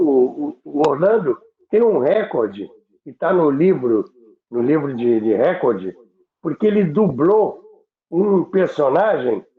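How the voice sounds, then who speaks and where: Male Brazilian radio-history host, unhurried and reminiscing, on a thin, roomy phone-like connection. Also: fairly high pitch. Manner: halting, repeats words for emphasis. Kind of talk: reminiscing in conversation.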